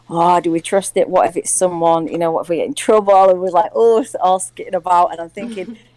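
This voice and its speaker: A woman at medium pitch talking at a very fast pace with hardly any pauses and ordinary pitch variation, amid noticeable background noise. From northern England, Hull. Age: 40s. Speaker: caller. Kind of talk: casual chat. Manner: halting.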